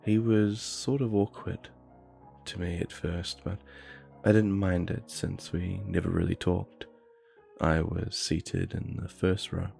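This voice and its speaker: A man with a very deep, gravelly voice reads out a creepy story at an unhurried pace. His tone stays flat and even as faint music plays underneath. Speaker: narrator. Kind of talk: scripted horror story narration.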